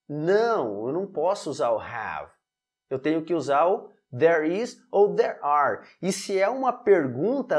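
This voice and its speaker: A Brazilian man gives an online English grammar lesson. His voice sits a little high and swings up and down lively, and he talks at an unhurried pace. He keeps checking in with his students and repeats each example slowly. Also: husky. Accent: Brazilian Portuguese. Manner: lively teaching, often checks in with "alright?" and "ok?". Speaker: English teacher.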